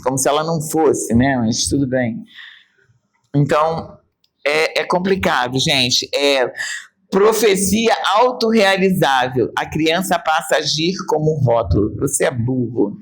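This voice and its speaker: A woman's voice: deep voice, a little slow. A woman with a Brazilian Portuguese accent leads a church Bible study lesson. She speaks emphatically and expressively, addressing her listeners directly and acting out remarks in changed voices. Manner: emphatic and expressive, talks straight to the group.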